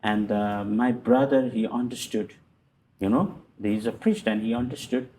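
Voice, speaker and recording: A middle-aged man, a guest telling his personal story in halting, full of fillers and restarts. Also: on the low side, dark tone, a little hiss or hum, rough recording. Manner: halting non-native English with many fillers and restarts. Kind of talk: personal testimony in conversation.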